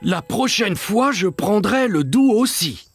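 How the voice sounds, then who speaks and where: A man's voice: high-pitched, animated, slow, creaky, slightly rough, soft background music, full character voice. A man voicing a kind, playful grandfather in a cartoon, patient and teasing. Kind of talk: cartoon dubbing.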